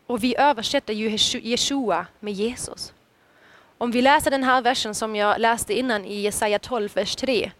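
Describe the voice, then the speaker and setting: High-voiced woman preaching a sermon. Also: fairly bright tone. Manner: storytelling, dramatic rises when quoting.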